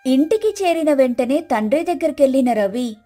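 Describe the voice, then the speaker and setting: Female storyteller, high voice, scripted moral-tale narration over music. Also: animated, moderate pace, mellow.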